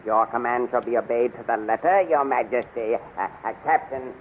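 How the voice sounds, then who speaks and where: A man's voice: medium pitch, moderate pace, muffled recording, slight background noise, lightly acted. An actor playing an obsequious general serving a queen, hesitant and muttering, in a 1930s radio serial on an old recording. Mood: fawning. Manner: hesitant, fawning, mumbling to himself.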